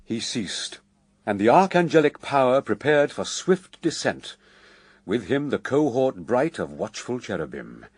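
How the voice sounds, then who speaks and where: Husky, slow-paced male narrator. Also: medium pitch, big pitch swings, dry recording. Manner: measured, solemn, literary delivery. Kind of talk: dramatic verse narration for radio.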